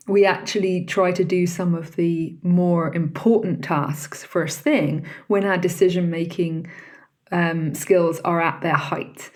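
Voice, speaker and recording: A woman's voice: lowish voice, a little mellow. A woman hosting a podcast, talking reflectively and conversationally on her own and posing questions to the listener. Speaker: podcast host. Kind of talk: reflective solo podcast talk.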